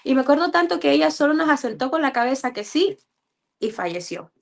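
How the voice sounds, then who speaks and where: A mother telling a personal faith testimony in a halting way, often repeating words and restarting phrases. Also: sits high, sing-song, creaky.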